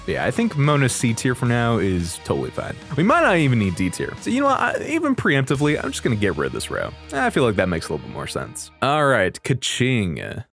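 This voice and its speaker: A young man gives casual reaction commentary as a video host. His mid-pitched voice moves up and down a lot, and he talks in easy slang. Music plays faintly behind him. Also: quick pace, vocal fry, few pauses. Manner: slangy, animated.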